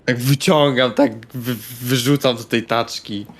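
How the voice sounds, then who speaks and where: A man's voice: mid-range voice, steady tone, measured pace. A man speaking casual, blunt in-character dialogue as a tabletop roleplay player.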